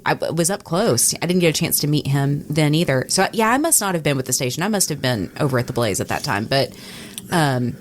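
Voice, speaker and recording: Lively low-pitched woman co-host. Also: brisk, slight background noise. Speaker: podcast co-host and radio broadcaster. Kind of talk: casual conversational chat.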